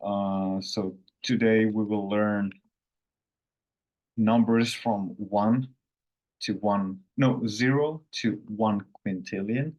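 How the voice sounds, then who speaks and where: A man who is a native Finnish speaker, hosting a casual online language lesson in an unhurried, rambling way with self-corrections. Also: on the low side, fairly even intonation, a little mellow, lo-fi sound. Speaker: language course host.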